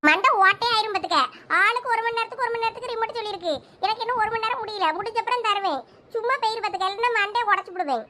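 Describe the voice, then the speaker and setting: A woman voicing a sharp-tongued, short-tempered young college girl in an animated comedy. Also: extremely high pitch, a little hiss or hum. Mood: irritated. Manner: scolding, irritated, fast and threatening.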